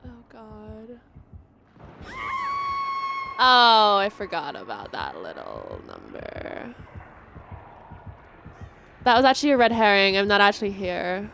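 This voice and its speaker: A woman giving casual gameplay commentary, jumpy and quick to laugh, swearing often. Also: medium pitch, huge pitch swings, gravelly, fairly bright tone, slight background noise. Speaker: gamer.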